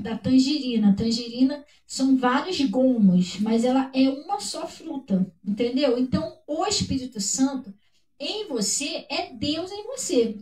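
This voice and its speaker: High-voiced Brazilian woman in an echoey room. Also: far from the mic. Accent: Brazilian Portuguese. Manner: preacherly, repeats words, acts out shouts. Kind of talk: casual chat about faith.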